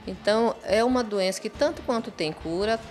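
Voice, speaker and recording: A woman's voice: mid-range voice, moderate pace, a little mellow, faint music behind. A woman in her forties with a Brazilian accent, a health coordinator answering an interviewer in a clinic office, earnest and explanatory. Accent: Brazilian Portuguese. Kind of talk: interview soundbite. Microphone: handheld reporter mic.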